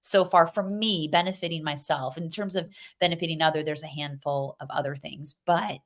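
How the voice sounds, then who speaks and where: A woman's voice: sits low, fairly even intonation, normal speed. A woman co-hosting a podcast in casual chat, earnest and rambling, often restarting her sentences. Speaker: podcast co-host.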